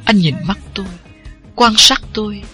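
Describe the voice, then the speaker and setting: An audiobook narrator reading a first-person novel at a steady, unhurried pace. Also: medium pitch, faint music behind.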